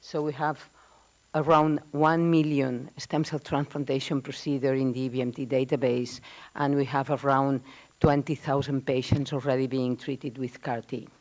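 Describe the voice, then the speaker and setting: A non-native accent comes through. The background is silent and the recording very clean. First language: not English. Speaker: physician researcher and former society president. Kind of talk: conference presentation. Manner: fast.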